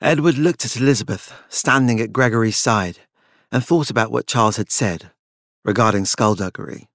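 A man's voice: lowish voice, moderate pace, fairly bright tone, no echo. Dry, close-miked man narrating a dramatic story. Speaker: audiobook narrator. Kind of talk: scripted literary story narration.

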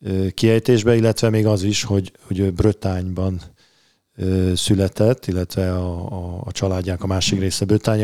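A man chatting about handball signings in a relaxed way, pausing often with fillers and restarting his sentences. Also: on the low side, no echo, clean studio sound. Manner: hesitant, many fillers and restarts. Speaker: handball pundit. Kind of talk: casual sports chat.

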